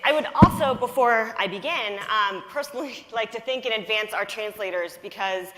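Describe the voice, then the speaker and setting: A woman's voice: fairly high pitch, moderate pace, a bit bright. An American-raised woman whose first language is Japanese, giving an earnest, conversational conference talk with frequent ums and uhs. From United States. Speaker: conference panel speaker. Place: large conference hall. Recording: long hall reverb.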